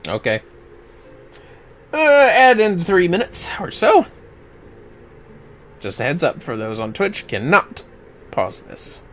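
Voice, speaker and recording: A man's voice: sits high, huge pitch swings, takes it slowly, pauses often, a bit bright, a little hiss or hum. A man livestreaming a video game, chatting casually with reactive, sweary asides.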